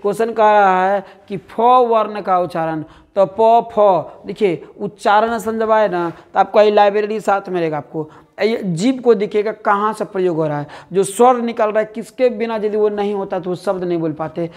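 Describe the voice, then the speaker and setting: A male teacher with a Bihari accent runs an exam-prep lesson in a high voice at a moderate pace with few pauses. He drills answers by repeating words over and over and constantly questioning the class, calling his students "dear".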